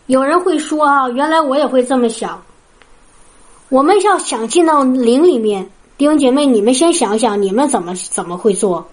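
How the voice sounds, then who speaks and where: A woman's voice: high voice, expressive, normal speed. A woman from China preaching a sermon. She tells her own testimony in an earnest, storytelling way and speaks directly to her listeners. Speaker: preacher at a healing prayer meeting.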